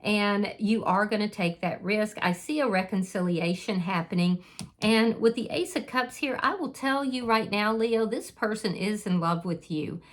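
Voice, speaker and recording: A woman's voice: medium pitch, moderate pace. Woman doing an online tarot reading, earnest and reassuring, chatty with fillers, mid-range voice. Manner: earnest, reassuring, with many "you know" fillers and restarts; speaks directly to the viewer. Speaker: tarot reader. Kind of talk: casual spoken tarot reading.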